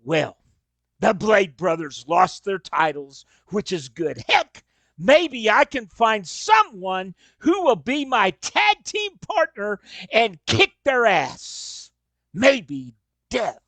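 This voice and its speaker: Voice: medium pitch, big pitch swings, slow, fairly bright tone, dry recording, exaggerated voice. A performer playing a vengeful, frustrated wrestler prince in a staged reading, declaring boasts and threats. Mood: brooding.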